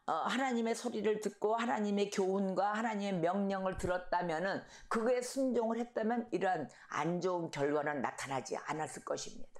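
A middle-aged woman pastor preaching a sermon, telling stories and acting out shouted quotes. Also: mid-range voice. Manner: storytelling, animated, acts out shouted quotes. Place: church sanctuary. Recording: echoey church hall.

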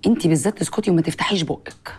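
A woman's voice: sits low, very fast, a little mellow, husky. A stern, scolding Egyptian woman. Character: stern woman lecturing her relatives. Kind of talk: TV drama acting. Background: music.

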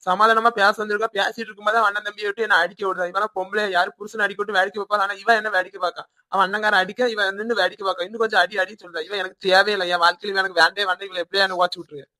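A man's voice: high voice, little pitch movement, racing, hardly any pauses, sharp tone. A man voicing an aggrieved young village husband in a cartoon, complaining bitterly in a Tirunelveli Tamil accent.

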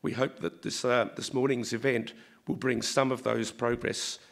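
A middle-aged man, a university leader, gives a formal welcome speech at a lectern in a large auditorium, his voice slightly croaky and his delivery halting with many ums and uhs. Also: medium pitch, little pitch movement. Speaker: university vice-chancellor. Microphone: lectern microphone.

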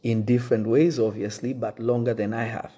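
A pastor in his thirties, a native French speaker, talks to camera in a dark, mellow voice with a slightly husky grain. He is earnest and measured and often restarts mid-sentence to pick his words. He is recorded close up on a phone in an indoor room. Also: medium pitch, little pitch movement. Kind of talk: direct-to-camera address to his congregation. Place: indoor room with wooden shelves.

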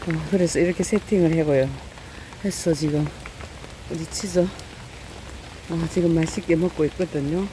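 A middle-aged woman with a deep voice speaks a little slowly, with fairly even intonation and long pauses. She's a cat-feeding vlogger outdoors in heavy rain, narrating casually with lots of fillers and calling the strays in a raised, fond, coaxing way. Light rain noise is audible.

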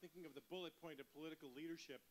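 A man's voice: on the high side, fairly even intonation, racing. Man at a public event, earnest thanks, noisy hall recording. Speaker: event organizer thanking a senator. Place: event hall with audience, indoors.

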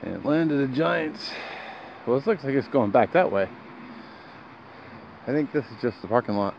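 A man with a creaky voice chatting casually and off the cuff as he vlogs outdoors on a trail, with dry asides. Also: medium pitch, moderate pace. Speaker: hiking vlogger. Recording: dull lo-fi outdoor sound, steady noise.

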